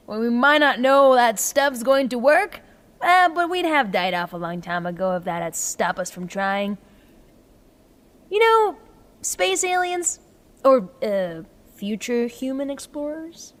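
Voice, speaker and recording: A scrappy, upbeat engineer in a naturalistic sci-fi audio drama. Her voice sits fairly high, and she talks in a wry, rambling way. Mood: hopeful, musing. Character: scrappy upbeat engineer woman on a doomed earth.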